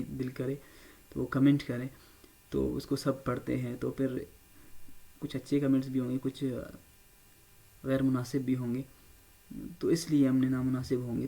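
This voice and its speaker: Gravelly-voiced man teaching an online class. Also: medium pitch, dark tone. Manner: explains slowly with many fillers and repeats. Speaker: English teacher. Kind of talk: online lecture.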